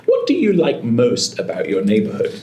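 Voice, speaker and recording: A woman's voice: a bass voice, huge pitch swings, normal speed, warm tone, roomy sound, slight background noise. A woman acting as examiner in a mock speaking test, guiding the candidate and giving brief encouraging praise.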